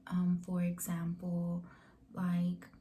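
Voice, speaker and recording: A young woman with a Mexican accent who stutters, talking casually to her vlog camera in a soft, breathy voice. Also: on the low side, monotone, a little hiss or hum. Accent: Mexican Spanish. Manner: stuttering, with short pauses and fillers. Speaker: vlogger.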